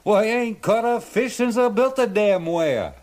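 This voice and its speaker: A feisty old fisherman snaps back in a raised, high-pitched voice, as a man puts him on in a recited poem. He is gruff and stubborn, and his pitch jumps all over the place. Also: lively intonation, measured pace, a little mellow. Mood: defiant.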